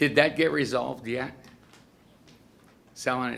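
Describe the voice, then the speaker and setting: A loud man's voice with vocal fry. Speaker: public commenter at council meeting. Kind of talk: public comment speech. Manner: animated, confrontational.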